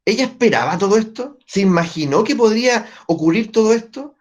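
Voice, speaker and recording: Higher-voiced man teaching a group. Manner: checks in with listeners through frequent tag questions. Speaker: family constellations teacher. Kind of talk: explanatory talk to a group. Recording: dull lo-fi recording.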